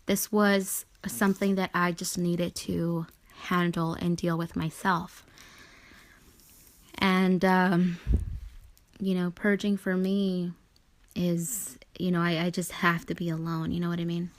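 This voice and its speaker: A woman with a slightly low voice speaks as the host of a conversational spiritual talk show. Her way of talking is reassuring, and she keeps checking in with small phrases as she goes. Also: flat delivery, slow pace.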